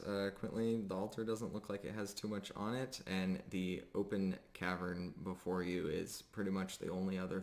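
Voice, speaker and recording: A man working as game master, narrating a tabletop roleplaying game in an improvised, halting, descriptive way. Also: fairly low pitch.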